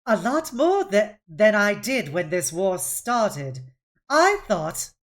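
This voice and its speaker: A woman's voice: medium pitch, sing-song, slow, voice pushed up. A woman voicing a superstitious female soldier in a sci-fi novel, uneasy, eerie and emphatic. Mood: defensive.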